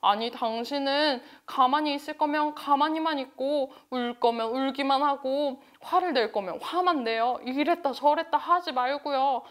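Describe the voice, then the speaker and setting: A woman voicing fickle storybook husbands who propose with flattery and later complain politely. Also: high-pitched, normal speed, hardly any pauses, natural voice. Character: smitten husbands, fickle grown men.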